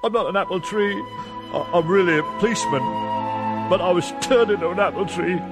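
A man's voice: sits high, a little fast, loud music behind the voice. A man voicing a plaintive policeman who has been turned into a talking apple tree.

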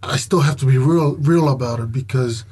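A man's voice: medium pitch, moderate pace, darkish tone, husky. A man, a professional wrestler and guest chatting casually, laughing easily and restarting phrases as he goes. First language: Tongan. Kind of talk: casual podcast chat.

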